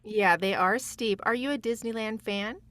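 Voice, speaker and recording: A woman's voice: fairly high pitch, moderate pace, a bit bright. A woman talking casually and reflectively as a guest, offering encouragement. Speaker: guest voice actor and playwright. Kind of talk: casual chat with encouraging advice.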